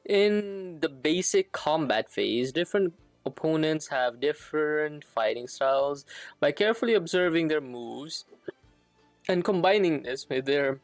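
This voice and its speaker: A woman's voice: sits low, no echo. A woman live-streaming a game, commenting casually and reading the on-screen text aloud.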